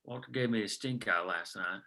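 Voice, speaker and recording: A man's voice: fairly low pitch, brisk, vocal fry, pushed and bright. A man playing a blunt, exasperated union-minded coal miner at a drama script table read. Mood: wry. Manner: blunt, clipped lines.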